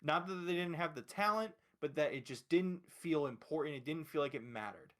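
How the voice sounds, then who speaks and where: A man with a slightly high-pitched voice hosts a casual wrestling talk podcast. He speaks emphatically and gives his opinions freely, swearing as he goes. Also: expressive, brisk, fairly bright tone. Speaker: podcast host.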